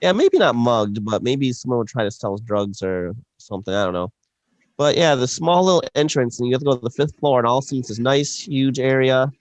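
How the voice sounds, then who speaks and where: A man's voice: medium pitch, animated, fairly quick, dry recording. A man co-hosting a podcast, telling a long, rambling story in casual chat, full of fillers and restarts. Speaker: podcast co-host.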